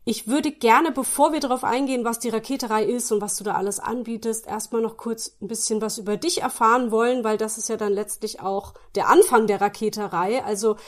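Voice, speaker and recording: A woman hosts a podcast interview in an upbeat, friendly way. Her voice sits a little high for a woman. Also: steady tone, fairly quick, few pauses. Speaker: podcast host.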